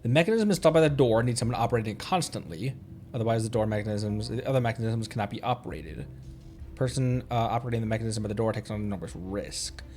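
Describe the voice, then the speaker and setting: A man's voice: fairly low pitch, fast talker, darkish tone. A man livestreaming a game, chatting casually and reading dialogue aloud in a playful, rambling way. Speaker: streamer. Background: faint game music.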